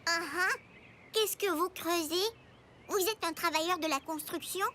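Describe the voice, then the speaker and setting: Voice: very high voice, measured pace, bright, forceful tone, slight background noise, full character voice. A performer voicing Caillou, a curious, eager little boy of preschool age, in a children's cartoon dub with simple, inquisitive childlike phrasing.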